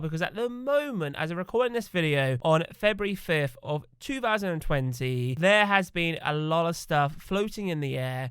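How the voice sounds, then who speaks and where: A man's voice: a little high, fairly bright tone, clear, resonant tone, dry recording. Slightly nasal man with a cold. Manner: chatty, rambling with fillers. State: has a cough from a cold. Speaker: gaming video creator. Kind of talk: casual talk to camera.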